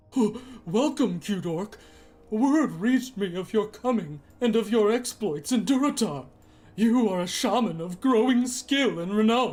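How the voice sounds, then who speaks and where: A man speaks in a put-on character voice. His pitch is extremely high, and his pace is fairly slow. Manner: funny.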